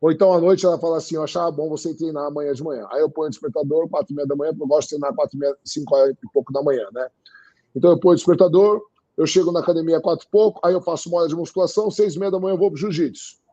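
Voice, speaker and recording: A man talking casually in an interview, with a Brazilian Portuguese accent. He talks in an animated way, repeating phrases for emphasis and acting out what others said. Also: a little high, very fast, muffled recording. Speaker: guest.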